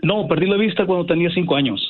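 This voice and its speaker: A man's voice: sits high, racing. A man from El Salvador calling in to a radio show, talking politely with many hesitations and fillers. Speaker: caller. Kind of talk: phone-in call on a radio show. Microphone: phone. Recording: phone line.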